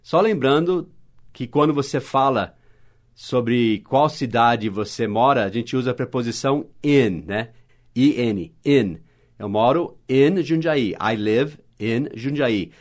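A man with a Brazilian Portuguese accent teaching basic English on a podcast, explaining slowly and spelling words out letter by letter. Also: medium pitch. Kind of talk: podcast lesson.

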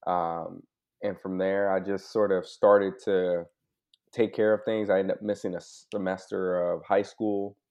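A man's voice: sits low, flat delivery, unhurried, darkish tone. An American man from California and Hawaii talking casually and candidly about his own life as an interview guest, in an informal, open way with asides seeking agreement. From United States (born in Hawaii, grew up in California). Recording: dull, lo-fi audio.

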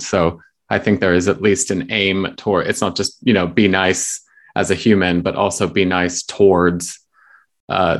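A man co-host in a casual panel discussion with a low voice. He makes his point in a thoughtful, considered way. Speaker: podcast co-host.

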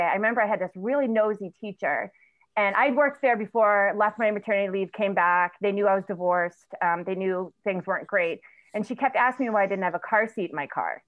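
A woman in her thirties tells her story candidly as an interview guest. She halts and restarts often, with plenty of fillers. Her voice comes through a thin, phone-like line with no room echo. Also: medium pitch. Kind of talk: emotional personal storytelling in an interview. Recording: tinny phone-like line, dry.

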